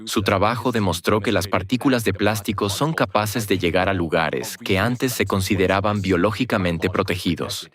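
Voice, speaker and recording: A man's voice: fairly low pitch, moderate pace, hardly any pauses, a bit bright. A man formally and courteously introducing a speaker as conference moderator.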